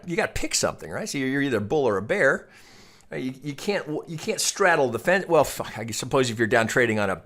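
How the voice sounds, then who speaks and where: A man's voice: medium pitch, fairly bright tone. Male market analyst, mid-range voice, talking through charts off the cuff in a blunt, opinionated, conversational way. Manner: conversational, opinionated, casually profane, often checking with "right?". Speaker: trading educator and market analyst. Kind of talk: informal screen-share chart commentary.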